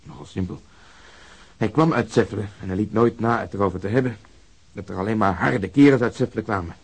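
An actor playing a blunt, bitter police officer in a radio drama, with a husky, emphatic delivery. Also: male voice, fairly low pitch, brisk. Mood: blunt, thoughtful.

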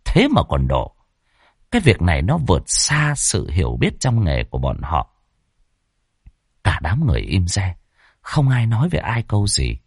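A man narrating a ghost story in a lively, expressive, dramatic way. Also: sits low, normal speed, husky, no room sound, clean studio sound.

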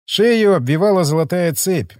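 A man reading an audiobook in a dramatic, expressive scripted narration. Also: high-pitched, moderate pace, dry recording, clean studio sound.

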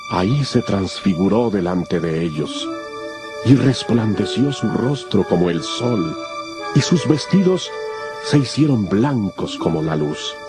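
Male narrator, lowish voice, solemn measured scripture reading, musical backing. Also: sing-song, over music.

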